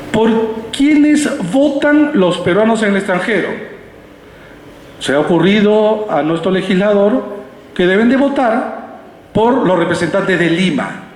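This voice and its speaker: A man with a Peruvian Spanish accent giving a public lecture, explaining in a didactic way with rhetorical questions and checking in with his listeners. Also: high voice. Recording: echoey reverberant hall, background noise.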